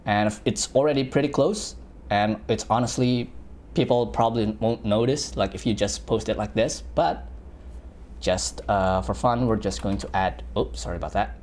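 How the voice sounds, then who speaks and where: A man's voice: fairly low pitch, normal speed, a little mellow. A young man from Indonesia teaching visual effects on a livestream, talking casually with lots of fillers and self-corrections. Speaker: VFX artist teaching a livestream. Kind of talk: live screen-share software tutorial.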